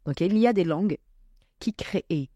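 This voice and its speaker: A woman speaking as a podcast guest, reflecting on spiritual matters with many pauses and fillers. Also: on the low side, lively intonation, warm tone, no echo, clean studio sound.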